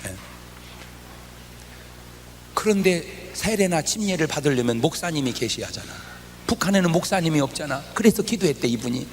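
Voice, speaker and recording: A man preaching a sermon as pastor, firing rhetorical questions at the congregation and swinging between loud exclamations and low asides. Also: expressive, normal speed, pauses often, slight background noise.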